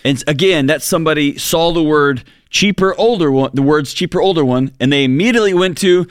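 A man's voice: brisk, clean tone, no echo, studio quality. A man in his forties co-hosting a talk show, speaking in an earnest, reflective way with emphatic outbursts. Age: 40s. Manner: earnest, reflective, emphatic with sudden jumps in pitch. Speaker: co-host. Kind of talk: casual podcast discussion.

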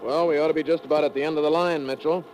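An actor playing an easygoing, confident submarine commander in a 1950s radio drama, with casual authority. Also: male voice, on the high side, fairly even intonation, rapid-fire, a little mellow, close to an everyday voice. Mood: confident, commanding. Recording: dull, noisy old radio recording.

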